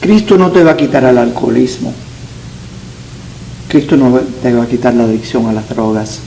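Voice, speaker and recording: A man's voice: medium pitch, normal speed, gravelly, warm tone, slight background noise, poor audio. A man born in Cuba, a pastor teaching a Sunday school Bible class, earnest and repeating key phrases for emphasis.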